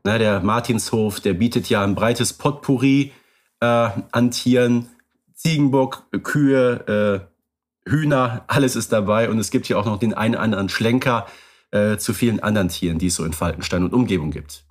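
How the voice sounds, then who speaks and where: A man's voice: lowish voice, moderate pace. A man co-hosting a podcast, chatting casually and readily agreeing with his partner. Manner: agreeable, affirming, conversational. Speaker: podcast co-host. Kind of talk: casual chat about radio plays.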